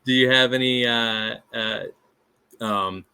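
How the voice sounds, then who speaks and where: Casual male interviewer, unhurried and halting, bright close dry voice. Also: medium pitch, steady tone, clear, resonant tone, no room sound. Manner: halting, many fillers, chuckling.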